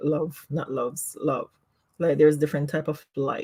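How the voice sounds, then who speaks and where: A woman with a Jamaican accent, a very deep, low pitch and a dark, mellow tone. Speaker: livestreamer. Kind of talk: casual chat. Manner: loud.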